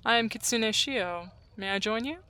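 A man voicing a small, cheerful woman samurai who teases and probes gently. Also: sits high, moderate pace, smooth, voice pushed up. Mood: teasing. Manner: playful, gently probing.

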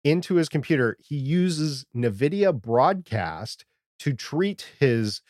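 A man with a quiet, slightly muddled voice co-hosting a podcast in casual conversation. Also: on the high side, very animated, slow, no echo, studio quality. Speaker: podcast co-host. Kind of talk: casual chat about audio gear.

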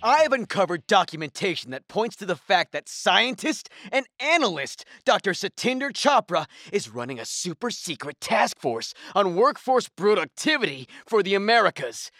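Excitable male bro podcaster, very animated, bright forceful voice, bombastic, over-the-top conspiracy monologue. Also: high-pitched, normal speed, hardly any pauses, no echo, studio quality, heavily acted. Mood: urgent, outraged. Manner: bombastic, dramatic.

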